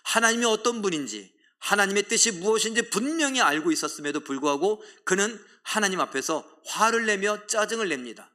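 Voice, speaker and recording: A middle-aged pastor delivers a sermon in a bright, ringing voice that sits a little high for a man. He preaches dramatically, voicing complaints with rising force, and leads a group reading of scripture aloud. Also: lively intonation, brisk, few pauses.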